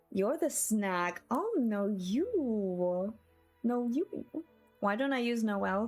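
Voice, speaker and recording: A woman streaming a video game and chatting casually with her viewers in a playful, giggly way. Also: mid-range voice. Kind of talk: casual live-stream chat. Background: faint game music.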